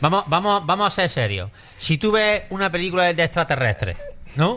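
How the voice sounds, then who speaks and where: Against noticeable background noise, the speaker moves at a moderate pace with lively intonation. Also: man. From Jaén, Andalusia. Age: 40s. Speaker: comedian. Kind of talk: casual chat.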